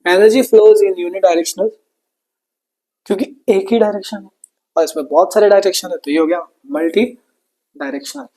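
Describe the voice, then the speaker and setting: A man with a high-pitched, dark-toned voice runs an online exam-prep science class, chatting, repeating himself, addressing students as brother and blending English in with his Indian accent.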